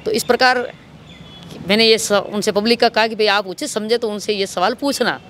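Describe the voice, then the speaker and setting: A man's voice: sits high, moderate pace, a bit bright, a little hiss or hum. A man with a Rajasthani accent giving an account in a street interview, speaking into a handheld microphone outdoors. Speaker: local political party worker, interviewee. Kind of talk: street interview, recounting an incident. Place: outdoors in an office compound. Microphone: handheld reporter microphone.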